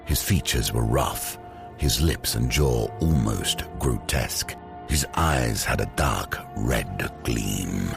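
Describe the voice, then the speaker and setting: A man playing the grave, ominous narrator of a gothic audio drama, deliberate and given to dramatic pauses. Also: very deep voice, vocal fry, music in the background, exaggerated voice.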